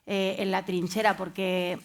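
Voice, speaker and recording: A woman journalist speaking on a discussion panel, pausing often with fillers. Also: mid-range voice, little pitch movement. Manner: hesitant, many fillers.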